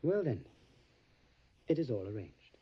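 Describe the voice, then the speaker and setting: An actor playing a courteous solicitor in an audio drama, speaking in a measured, formal way. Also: male voice, mid-range voice, big pitch swings, a little hiss or hum. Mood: polite, curious. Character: courteous English solicitor recounting his journey to Transylvania. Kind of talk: audio drama narration and dialogue. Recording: dull lo-fi audio with music behind. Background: music.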